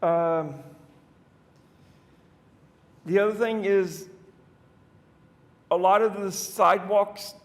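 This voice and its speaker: A man's voice: high-pitched, fairly even intonation, slow. A man giving public comment at a council podium microphone, conversational and rambling with restarts. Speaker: citizen speaker at council meeting. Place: council chamber. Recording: reverberant council chamber.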